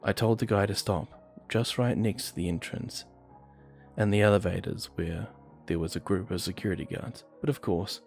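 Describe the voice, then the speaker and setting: A man reading true horror stories aloud in a steady, measured storytelling manner. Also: deep voice, gravelly. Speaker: narrator. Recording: faint music behind voice.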